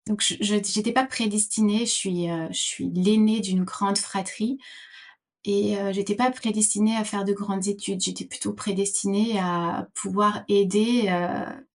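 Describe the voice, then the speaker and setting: A woman's voice: mid-range voice, steady tone, a little slow. A middle-aged woman from Portugal answering interview questions thoughtfully, with many fillers and restarts. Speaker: podcast guest.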